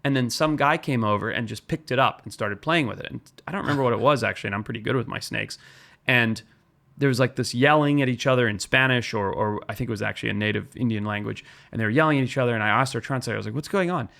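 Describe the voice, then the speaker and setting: A man's voice: mid-range voice, fast, gravelly, fairly bright tone. A man from Zimbabwe, a wildlife biologist guest, explaining and telling stories in an earnest podcast talk.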